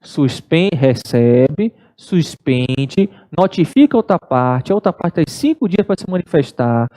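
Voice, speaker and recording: A middle-aged Brazilian woman giving an animated exam-prep law lecture, acting out courtroom exchanges in shifting voices. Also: low-pitched, unhurried. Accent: Brazilian Portuguese. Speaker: law teacher.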